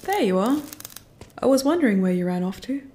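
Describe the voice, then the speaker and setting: A woman playing an easygoing, gently teasing and curious friend in naturalistic audio drama dialogue. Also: fairly high pitch, sing-song, fairly quick. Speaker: actor in a sci-fi audio drama.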